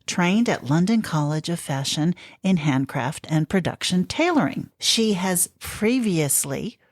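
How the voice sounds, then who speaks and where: A woman's voice: lowish voice, lively intonation, measured pace. Upbeat woman podcast host. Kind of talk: interview hosting.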